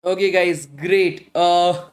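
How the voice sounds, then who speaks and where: Slow and steady in tone, this high-pitched man leads a live online bootcamp and answers questions conversationally. He tends to repeat himself and end phrases with "guys," and daily talking has left him losing his voice.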